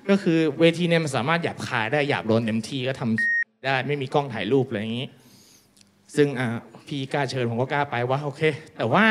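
High-voiced man doing crude stand-up. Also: background noise. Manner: crude, self-mocking, acts out dialogue. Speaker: stand-up comedian. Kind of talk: stand-up storytelling. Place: small live venue with audience.

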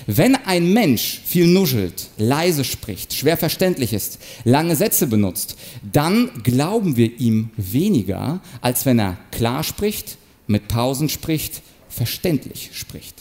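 A man giving an animated, explanatory talk on manipulation and rhetoric, sometimes acting out short example quotes. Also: mid-range voice, slow pace. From Ukraine. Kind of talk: stage talk to an audience.

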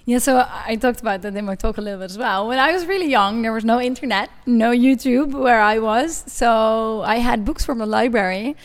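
A woman's voice: on the high side, a little fast, few pauses. A woman whose first language is not English, explaining her research with enthusiasm in an interview. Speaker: guest researcher. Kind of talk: conversational interview.

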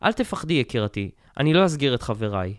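A man voicing a gaunt French prisoner who speaks calmly and earnestly to his wife. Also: medium pitch, no echo, clean studio sound, lightly acted. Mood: soothing. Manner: calm, soothing, earnest. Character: gaunt French prisoner husband, calm and brave.

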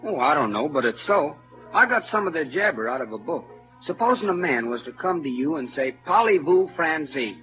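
Playing Huck in an old radio drama, an actor uses a fairly high, very animated, brisk voice. The character, a boastful, clever frontier boy, talks in a rural Southern dialect and lectures with a bright, show-off, know-it-all delivery. Sound quality is dull and lo-fi, with music in the mix.

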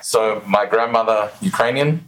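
A man with an Australian accent hosting a podcast, easygoing and quick to laugh. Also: fairly low pitch, a bit bright, rough recording. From Australia, New Zealand and Los Angeles. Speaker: podcast host. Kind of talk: casual interview chat.

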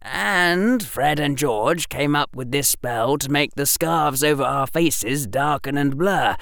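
A reader voicing a clever, theatrical eleven-year-old boy wizard who explains himself in a lecturing, deadpan way. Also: medium pitch, slow pace, creaky, no echo, studio quality, pitched above the performer's own voice. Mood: explaining. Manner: lecturing, mock-villainous, deadpan. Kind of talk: audiobook reading.

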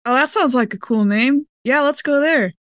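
A woman's voice: high-pitched, moderate pace, a bit bright, no echo, studio quality. Playful woman at a game table. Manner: slangy, playful. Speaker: tabletop roleplaying player. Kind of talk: casual, improvised in-character table talk.

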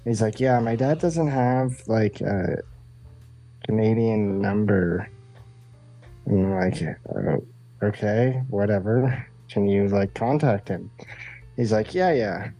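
A man's voice: fairly low pitch, takes it slowly, warm tone, faint music behind, low-quality recording. A man hosting a podcast, telling a rambling, casual comic story and acting out the dialogue. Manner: rambling, acts out quoted dialogue. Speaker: podcast host.

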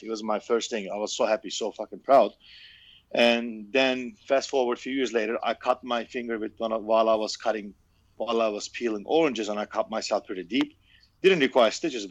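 A man's voice: on the low side, no echo. A man, casually telling his story on a podcast, candid and swearing, laughing easily. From Turkey. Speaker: knife maker, podcast co-host.

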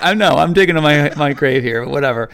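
A man co-hosting a podcast in casual chat, animated and quick to laugh. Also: on the high side, gravelly, crowd noise. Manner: animated, quotes people in put-on voices, laughs easily. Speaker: podcast co-host.

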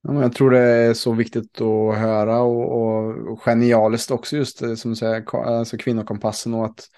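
Flat, mellow-voiced male host. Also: mid-range voice, clean tone. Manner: affirming, with many restarts. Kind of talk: casual interview.

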